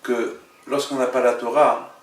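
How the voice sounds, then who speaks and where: Halting, emphatic man teaching in an echoey room. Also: medium pitch, flat delivery. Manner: repeats phrases, halting, emphatic. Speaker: religious teacher, rabbi leading a class. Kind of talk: informal religious lesson with questions. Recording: echoey room, mic at a distance.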